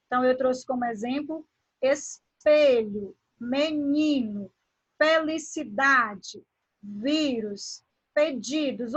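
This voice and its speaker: A woman teacher from Brazil, giving a grammar lesson. She draws words out slowly and asks the class questions as she explains. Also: high-pitched, fairly bright tone. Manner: slow, drawn-out word pronunciation with questions to the class.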